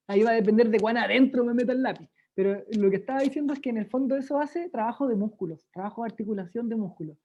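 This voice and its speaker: A woman's voice: a little high, mellow. A woman with a Chilean accent leading an online workshop on speaking, demonstrating exercises and often checking in with listeners. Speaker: workshop presenter. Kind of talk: lively online workshop teaching. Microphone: video call. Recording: dull lo-fi video call audio.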